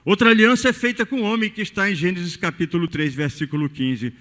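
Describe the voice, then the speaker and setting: A man preaching a sermon in a cathedral at an evening service, asking rhetorical questions and swinging his pitch widely. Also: fast talker, a bit bright. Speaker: pastor. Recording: long reverb of a large church hall.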